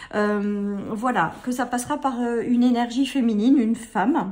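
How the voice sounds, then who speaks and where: The speech moves at a very slow pace with ordinary pitch variation, over noticeable background noise. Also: woman. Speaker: tarot card reader. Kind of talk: tarot reading guidance. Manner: hesitant, many filler sounds.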